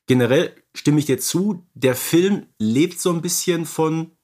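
A man's voice: on the high side, a little slow, a little mellow. A man co-hosting a podcast, casually analysing films and recapping their stories. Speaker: podcast co-host.

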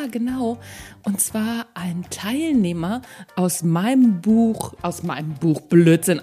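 A woman's voice: medium pitch, a little mellow, breathy edge. A woman hosting a podcast, chatting informally and speaking directly to her guest and listeners. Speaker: podcast host and interviewer. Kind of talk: casual conversational interview and podcast outro.

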